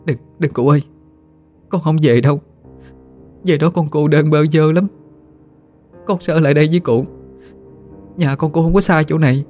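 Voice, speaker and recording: A man's voice: a little high, normal speed, pauses often, darkish tone, faint music behind, lightly acted. A man voicing a grieving young woman ghost who pleads tearfully. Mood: pleading.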